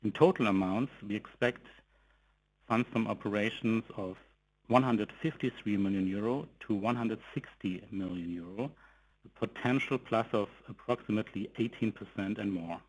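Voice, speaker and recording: Man, somewhat low pitch, formal business presenter, scripted delivery, measured short phrases, financial results call. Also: a little hiss or hum, low-quality recording.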